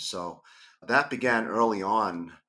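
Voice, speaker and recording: A man with a New York accent, medium in pitch with ordinary variation and a bright, sharp tone, on a very clean recording with a silent background. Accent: New York (Queens). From Queens, New York. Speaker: sober companion, surviving sibling. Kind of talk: testimony interview.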